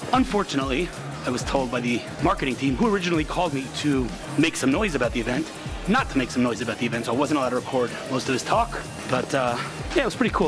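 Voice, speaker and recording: A man at a very fast pace, with clear music in the background. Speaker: vlogger. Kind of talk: casual vlog chat. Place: hall. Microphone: phone near.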